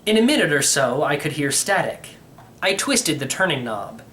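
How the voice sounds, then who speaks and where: Animated male storybook narrator. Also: on the high side, moderate pace, slight background noise. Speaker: audiobook reader. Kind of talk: scripted first-person storytelling narration.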